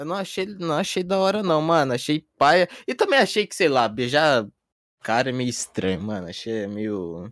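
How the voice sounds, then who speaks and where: Dry and close with no echo, a man's fairly high voice moves through very wide pitch swings at a moderate pace. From Brazil, São Paulo state interior. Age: young. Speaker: internet video creator. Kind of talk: casual chat.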